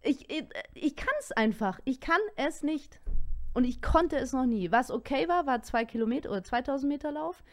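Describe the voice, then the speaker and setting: A woman's voice: sits high, normal speed. A woman in her forties from the Allgäu with a light Allgäu accent, co-hosting a casual podcast chat and telling stories with frequent laughter. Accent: Allgäu German. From Allgäu, southern Germany. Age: 40s. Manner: lively, laughs often, chatty storyteller. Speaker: podcast co-host.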